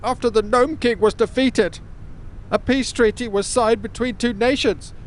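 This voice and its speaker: A man's voice: very high voice, steady tone, moderate pace, slight background noise. A man playing a solemn teller of ancient history in an amateur audio drama.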